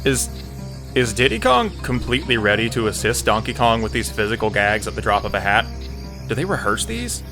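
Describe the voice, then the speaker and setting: A man narrates an audio drama from a script, slipping in wry asides. His voice is somewhat low, and music plays clearly beneath him. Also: sing-song, a little fast.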